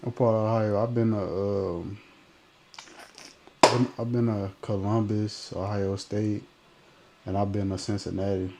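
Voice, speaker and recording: A man's voice: lowish voice, little pitch movement, unhurried, creaky, pauses often, background noise. A man in his twenties with a Memphis accent, chatting casually on a live stream, reading viewer comments in a laid-back, slangy way. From Memphis, Tennessee. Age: 20s. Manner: laid-back slang, trailing off mid-sentence.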